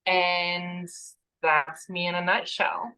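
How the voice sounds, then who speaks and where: A woman in her early thirties co-hosts a casual podcast from home. Her voice sits low yet sounds bright and forward. She speaks slowly and plainly, in a relaxed way. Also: low-quality recording. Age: 30s. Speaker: podcast co-host. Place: own home, remote call.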